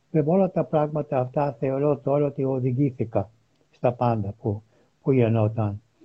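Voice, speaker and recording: Somewhat breathy, a man speaks at a fairly slow pace in a medium pitch. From USA and Lebanon. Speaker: spiritual teacher and author. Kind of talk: casual interview. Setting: Instagram live video call.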